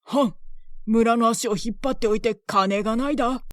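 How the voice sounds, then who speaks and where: A woman voicing gruff, scornful male village farmers who complain and bully with rough country speech. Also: on the high side, moderate pace, no echo, studio quality, natural voice.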